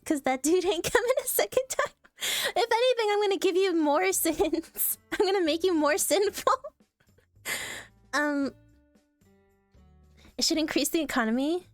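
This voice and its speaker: A young adult woman streaming casually, reacting to posts in a playful, animated way and laughing often. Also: very high-pitched, measured pace, pauses often, no echo, faint music behind.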